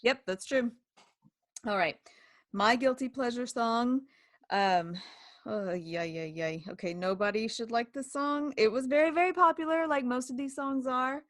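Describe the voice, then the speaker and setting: A woman's voice: a little high, a little slow, fairly bright tone, dry recording, studio quality. A woman co-hosting a podcast, chatting casually and playfully, often laughing. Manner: laughing, playful, sings snippets. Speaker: podcast co-host. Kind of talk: casual chat.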